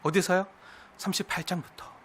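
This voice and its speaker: A man's voice: sits high, steady tone, moderate pace, breathy edge. A man preaching a sermon as pastor, earnest and heartfelt, posing rhetorical questions to the congregation.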